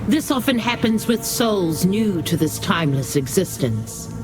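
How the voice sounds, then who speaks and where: Reverent tribal herald, male, formal, slow but melodic, fantasy game. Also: sits high, big pitch swings, music in the background. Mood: grave. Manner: formal, ceremonial, measured.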